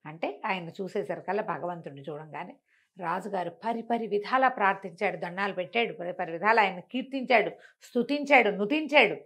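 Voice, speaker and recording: A woman telling devotional stories conversationally, in an expressive, emphatic way that repeats phrases for effect. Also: medium pitch, brisk. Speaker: storyteller and talk show guest.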